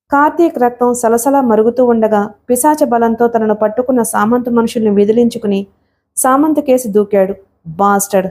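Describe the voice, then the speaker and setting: Female audiobook narrator, mellow higher voice, expressive dramatic novel reading. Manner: steady, expressive storytelling.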